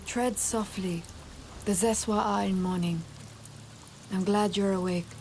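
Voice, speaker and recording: A woman's voice: mid-range voice, steady tone, a little slow, darkish tone, a little hiss or hum, natural voice. An actress playing a grave, composed tribal woman in a video game. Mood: somber.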